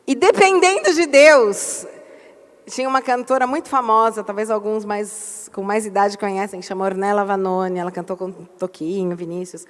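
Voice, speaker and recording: A woman pastor giving an animated church talk, telling stories with emphatic outbursts. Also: mid-range voice, normal speed, big-room sound.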